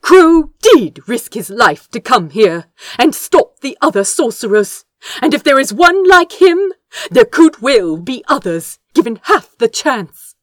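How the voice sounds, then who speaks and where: A woman's voice: fairly high pitch, very animated, a little slow, no room sound, pitched above the performer's own voice. A woman voicing a principled younger prince in an audiobook, defiant and indignant, with a tart, insistent, disapproving manner. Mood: tart insistence.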